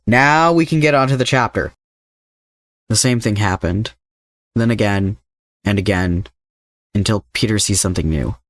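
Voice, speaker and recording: Guy reading fanfic out loud, lowish voice, pretty dry close sound. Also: no echo. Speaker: podfic narrator. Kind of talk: amateur audiobook narration of fan fiction.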